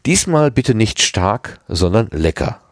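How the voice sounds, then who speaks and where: A man reading aloud, voicing a sharp-tongued, scheming teenage schoolgirl with a lightly raised voice. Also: fairly low pitch, big pitch swings, slow pace, dry recording, studio quality, pitched above the performer's own voice, heavily acted.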